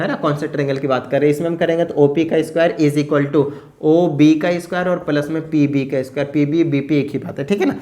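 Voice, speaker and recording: A man's voice: a little high, dark tone. A man teaching a maths lesson at speed, often asking the students whether they follow. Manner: fast-talking, asks rhetorical check questions.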